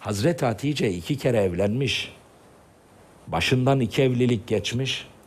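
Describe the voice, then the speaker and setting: The man's speech is fairly slow, and his pitch varies in an ordinary way. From Turkey. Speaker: religious TV program host and preacher; religious TV program host, preacher. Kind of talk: religious talk show sermon. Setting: TV studio. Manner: animated. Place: studio. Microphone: lapel.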